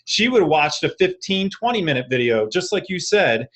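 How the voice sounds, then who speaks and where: A man's voice: on the high side, sing-song, normal speed, fairly bright tone. Middle-aged man with a Philadelphia accent. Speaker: real estate industry panelist. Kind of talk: casual panel talk, personal anecdotes.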